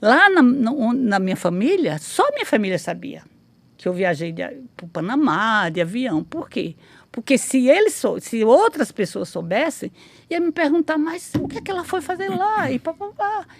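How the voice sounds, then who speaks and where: Gravelly-voiced woman telling memories. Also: sits high, sing-song, normal speed. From Brazil. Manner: rambling, with many restarts and "né?" tags. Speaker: interview guest, memoirist. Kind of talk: casual storytelling interview.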